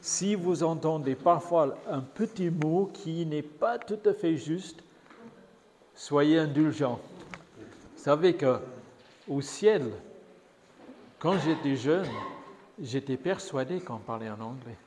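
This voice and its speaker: An older man with an English accent, a guest preacher telling a gentle story to children in church. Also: fairly high pitch. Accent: English-speaking. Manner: gentle, slow and lively storytelling. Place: church hall. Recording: church hall reverb, faint noise.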